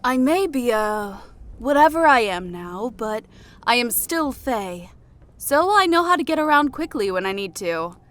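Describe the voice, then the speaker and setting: A man's voice: very high-pitched, big pitch swings, a little slow, fairly bright tone, voice pushed up, exaggerated voice. A man voicing a composed, courtly white-haired fae woman with a polite, genteel manner in a fantasy audiobook. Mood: composed, sly.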